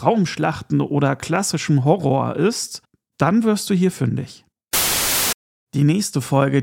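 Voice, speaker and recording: A man hosts a casual podcast with a chatty, enthusiastic manner. He drops in little asides and the odd laugh, and his voice has a gravelly edge. His pitch sits in the middle. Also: a little mellow. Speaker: podcast host.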